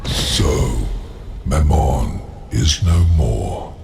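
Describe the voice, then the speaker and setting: An actor playing a menacing, regal demon lord in a game cutscene, gloating in a formal, imperious manner with a gravelly voice. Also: male voice, rumbling low, animated, drawn-out words, music in the background, heavily acted. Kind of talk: video game cutscene acting.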